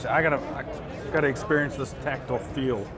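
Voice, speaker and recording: Fast-talking joking man on a show floor. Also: mid-range voice, crowd noise. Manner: joking, self-deprecating quips. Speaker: magazine editor. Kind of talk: casual trade show walkthrough. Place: busy indoor trade show floor.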